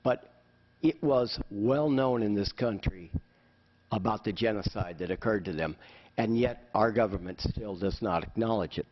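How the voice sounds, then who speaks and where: Earnest low-voiced council member. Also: male voice, highs cut off. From Los Angeles. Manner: earnest, halting, searches for words. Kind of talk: council meeting statement.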